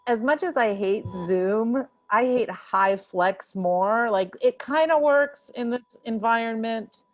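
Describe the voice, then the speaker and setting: A woman leads an online French class, switching between French and English. She speaks at an unhurried pace and sounds encouraging. Her voice comes through a video call. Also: a little high. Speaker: French teacher.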